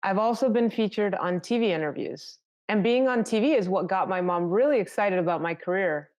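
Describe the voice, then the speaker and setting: A woman from South Texas, a native Spanish speaker, giving a prepared conference talk in a steady storytelling manner. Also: mid-range voice, brisk, highs cut off. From South Texas, United States.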